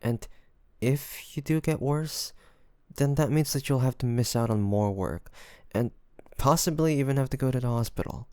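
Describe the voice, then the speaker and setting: A man playing a loving, worried boyfriend in an intimate roleplay audio drama, speaking gently and hesitantly in a pleading way. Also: mid-range voice, normal speed, smooth, no echo, close to an everyday voice. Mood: concerned, pleading. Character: loving, worried boyfriend coaxing his sick partner to rest.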